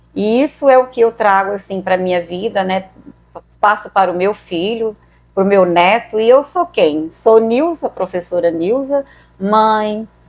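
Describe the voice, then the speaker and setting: With a plain, everyday voice, a woman speaks fairly slowly at medium pitch, her intonation lively. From Brazil, Goiás (Guapó). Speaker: teacher and former mayoral candidate. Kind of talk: interview.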